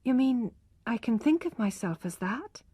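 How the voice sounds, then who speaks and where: Rich: A humble, despairing young wife who pleads in a high, trembling voice, as a woman reader puts her on. She speaks slowly. The sound is dry and close. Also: sing-song, warm tone, breathy edge, no room sound, full character voice. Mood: pleading.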